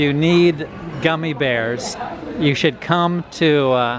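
Over noticeable background noise, a man speaks at a very slow pace with ordinary pitch variation. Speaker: travel vlogger. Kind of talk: casual vlog chat. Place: shop. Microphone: phone near.

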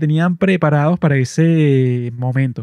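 This man's dark, mellow tone carries fairly even intonation. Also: dry, close sound with no echo. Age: 20s. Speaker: podcast host. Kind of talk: casual chat.

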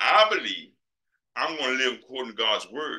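With vocal fry, a man speaks at a moderate pace in an animated, bright, sharp tone full of very wide pitch swings. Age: 60s. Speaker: pastor. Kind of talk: sermon. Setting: video call.

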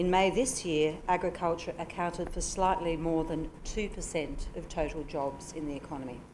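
A woman speaks at a fairly slow pace in a fairly low pitch with ordinary pitch variation. Light background noise can be heard. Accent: Australian. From Australia. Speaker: government policy official; guest. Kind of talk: conference presentation. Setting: conference room. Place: meeting room.

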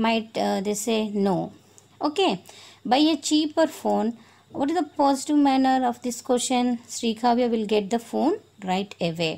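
A woman's fairly high-pitched voice, dark and mellow in tone, at a fairly slow pace on a very clean recording with a silent background. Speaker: life skills trainer. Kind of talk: lecture. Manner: hesitant with fillers.

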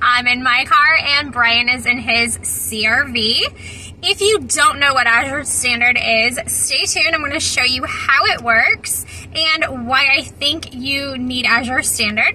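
A woman uses a raised, projected voice at a very slow pace, with ordinary pitch variation. Light background noise can be heard. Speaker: vlogger. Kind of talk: casual vlog chat. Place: car. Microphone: phone near.

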